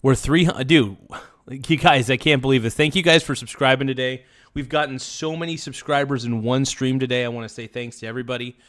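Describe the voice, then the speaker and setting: Man, livestream host, casual, rambling, middle pitch. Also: fairly quick, a bit bright. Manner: chatty, rambling, thankful to viewers.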